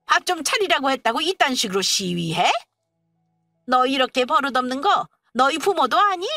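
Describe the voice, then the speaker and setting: A woman's voice: high-pitched, animated, normal speed, pushed and bright, no echo, clean studio sound, faint music behind, exaggerated voice. A woman voicing a domineering older mother-in-law who lectures with contempt. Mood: contemptuous.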